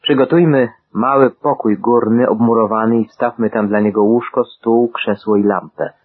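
A man voicing a devout, pleading woman, keeping his own husky voice and measured reading manner, over a tinny radio-like sound. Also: medium pitch, fairly even intonation, lightly acted. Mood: earnest.

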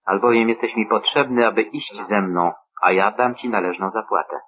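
A man reading the part of a dutiful young son in a measured scripture reading, on a tinny phone-like line. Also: fairly low pitch, slight background noise, lightly acted. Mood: earnest. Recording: tinny phone-like radio sound.

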